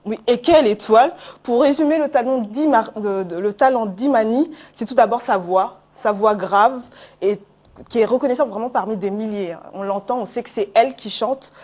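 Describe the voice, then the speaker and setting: A woman presenting a music segment on a TV news set, speaking in a lively, flowing way. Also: on the high side, normal speed. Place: TV studio.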